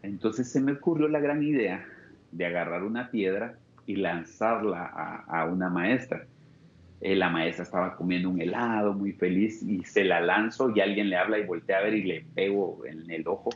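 A man's voice: low voice, normal speed, reverberant, slight background noise. A young man with a Guatemalan Spanish accent giving an earnest, reflective personal testimony as an interview guest, often restarting his sentences. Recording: dull lo-fi sound.

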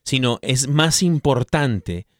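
Man, co-host, preaching, animated, direct address, dead dry sound. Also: mid-range voice, takes it slowly, no room sound. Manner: animated, exhorting listeners directly, acts out voices playfully. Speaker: co-host of a Catholic radio program. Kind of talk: preaching in casual chat.

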